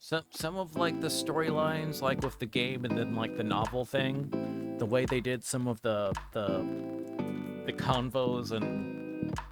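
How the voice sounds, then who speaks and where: A man streaming a playthrough of a visual novel, reading dialogue aloud and commenting casually in a hesitant, halting way. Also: mid-range voice. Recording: music behind the voice. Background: guitar music from the game.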